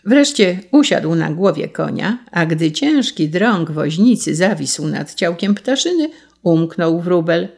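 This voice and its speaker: A woman narrating a fairy tale in a slow, measured storybook reading. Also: lowish voice, animated, creaky, a little mellow.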